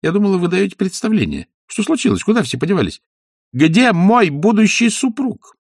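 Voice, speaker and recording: A man voicing an impatient, fierce young woman witch in a storybook, with sharp commanding questions. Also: high voice, sing-song, fairly quick, no echo, studio quality, voice pushed up, exaggerated voice. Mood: puzzled.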